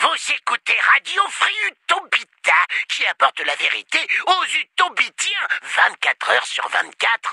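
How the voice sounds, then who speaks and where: Someone performs a put-on character voice. The pitch sits extremely high. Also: fairly slow pace. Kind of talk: radio announcer. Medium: audio drama. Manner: upbeat, eager.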